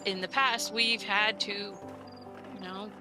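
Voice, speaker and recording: Slow-talking blunt tabletop player. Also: mid-range voice, fairly even intonation, over music. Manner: blunt, self-deprecating. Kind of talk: casual tabletop game chat.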